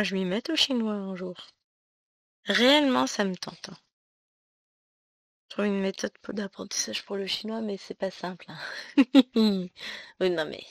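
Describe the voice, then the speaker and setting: A woman's voice: medium pitch, gravelly, fairly bright tone, dry recording, studio quality. A woman hosting a cross-stitch vlog, chatting casually and rambling with lots of fillers while she stitches. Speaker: cross-stitch channel host.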